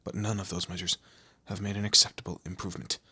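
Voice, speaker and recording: A man playing a commanding, teasing demon lord in an audio roleplay, with a low gravelly, husky voice and an imperious, theatrical manner. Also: level tone, quick pace, sharp tone, no echo, heavily acted. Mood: stern, threatening. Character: male demon lord, commanding, menacing, teasing boss of hell. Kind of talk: scripted audio roleplay addressed to the listener.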